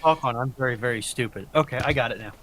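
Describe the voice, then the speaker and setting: A man's voice: medium pitch, fast talker, fairly bright tone. A man chatting casually as a panellist on a live stream over a voice call. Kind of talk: casual chat. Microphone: computer voice call. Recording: clearly noisy voice call.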